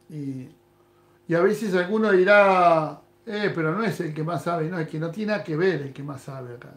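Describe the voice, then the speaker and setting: With an Argentine accent, a man speaks at a high pitch and a moderate pace. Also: ordinary pitch variation. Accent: Rioplatense Argentine Spanish. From Argentina. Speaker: fishing YouTuber and former radio host; fishing YouTuber, former radio host. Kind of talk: live stream chat. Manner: casual, conversational. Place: home room. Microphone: webcam.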